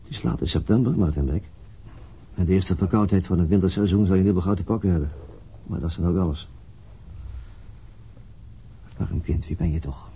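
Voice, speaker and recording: An actor playing a brooding, dogged police detective in a radio drama, weary and musing in a halting, husky voice. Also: male voice, low-pitched, warm tone, exaggerated voice, poor audio. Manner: halting, musing, muttering to himself. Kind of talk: radio drama acting with introspective monologue.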